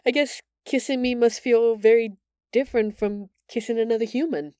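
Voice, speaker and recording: A woman playing a gentle, shy female alien who stammers earnestly and apologetically in an intimate audio roleplay. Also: fairly high pitch, steady tone, normal speed, clean tone, no room sound, clean studio sound, natural voice. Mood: shy, nervous.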